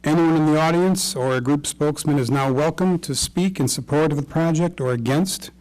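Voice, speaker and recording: A man's voice: a little high, fairly quick, darkish tone, poor audio. A man chairing a township planning commission meeting, reading formal procedural remarks.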